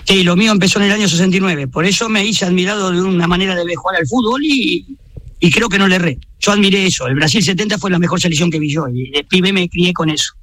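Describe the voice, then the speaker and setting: Argentine man in his sixties, bright forceful voice, fast emphatic radio caller. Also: high-pitched, no room sound. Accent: Argentine Spanish. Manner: passionate, emphatic, opinionated. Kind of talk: radio phone-in chat.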